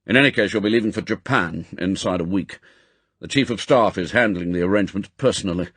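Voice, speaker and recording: A man voicing a gruff, impatient elderly spy chief, brusque and authoritative, in an audiobook. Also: deep voice, quick pace, fairly bright tone, dry recording. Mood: brisk, commanding. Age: older. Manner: brusque, authoritative, clipped commands. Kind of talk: audiobook character acting.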